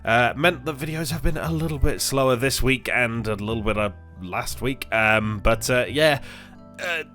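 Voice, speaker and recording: A man's voice: medium pitch, normal speed, sharp tone, faint music behind. A man hosting his gaming channel, sounding congested as he recovers from illness, talking casually with lots of fillers and restarts. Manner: rambling, many fillers and restarts. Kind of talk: casual gameplay commentary.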